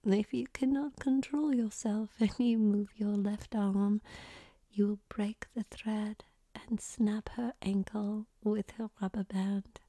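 A woman voicing a young foreign woman who gives orders in a measured, formal whisper. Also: medium pitch, warm tone, no echo. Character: commanding foreign young woman, cool and controlled.

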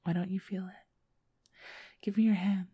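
A young woman in an intimate audio roleplay, talking softly and coaxingly and often whispering close to the microphone. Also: medium pitch, fairly even intonation, unhurried, breathy edge, no echo.

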